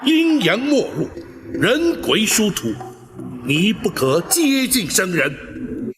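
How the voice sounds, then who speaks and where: An actor playing a stern imperial judge in a period drama, stately, deliberate and authoritative. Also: male voice, high voice, wildly swooping pitch, noisy background, exaggerated voice. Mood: commanding. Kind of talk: theatrical Chinese period drama acting. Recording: reverberant hall.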